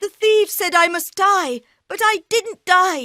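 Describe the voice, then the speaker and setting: A woman's put-on character voice, raised and projected, extremely high in pitch, with lively intonation and a fairly slow pace. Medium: read story.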